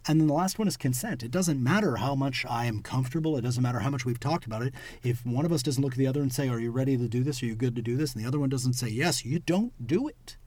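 A man co-hosting a podcast, explaining his craft in a reflective, casual way, his phrases often trailing off quietly. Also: medium pitch, fast, hardly any pauses, no echo. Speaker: podcast co-host and clown performer.

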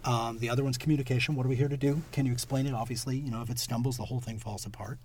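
A man co-hosting a podcast, explaining his craft in a reflective, casual way, his phrases often trailing off quietly. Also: medium pitch, steady tone, very fast, a little hiss or hum. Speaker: podcast co-host and clown performer.

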